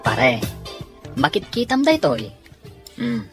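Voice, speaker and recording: An easygoing young man from an audio drama , acted by a woman, speaks with an Ilocano Filipino accent. The voice sits low and rough-edged, moves with lots of melody, and has music underneath. He comes across as a teasing, loyal pal. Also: huge pitch swings, a little slow, heavily acted. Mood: concerned, casual.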